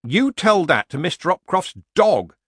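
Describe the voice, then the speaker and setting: A man's voice: high voice, very animated, fairly bright tone, breathy edge, no echo, clean studio sound, voice pushed up, exaggerated voice. A man voicing a nervous, complaining male villager who stumbles over his words. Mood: flustered. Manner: anxious, flustered, halting.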